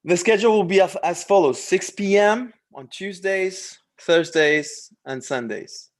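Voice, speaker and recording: A man's voice: high voice, measured pace. A man working as a language coach, presenting a course in a promotional, partly read-out style with short, emphatic phrases.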